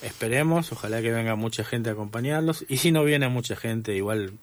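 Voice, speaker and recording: An Argentine man talks through his ideas in a radio studio, thoughtful and unhurried. His voice sits at an ordinary middle pitch. His sentences stop and restart around frequent filler sounds. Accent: Argentine Spanish. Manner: reflective, hesitant, many filler sounds. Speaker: documentary film director. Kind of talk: radio interview.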